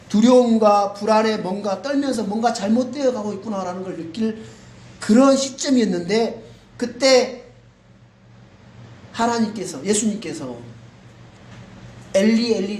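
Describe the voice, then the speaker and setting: A pastor delivers a sermon with real emphasis and a lively, rising and falling delivery, pressing listeners with rhetorical questions. The voice rings through a reverberant church hall, picked up from across the room. A faint hiss sits underneath. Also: medium pitch. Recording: echoey room, mic at a distance.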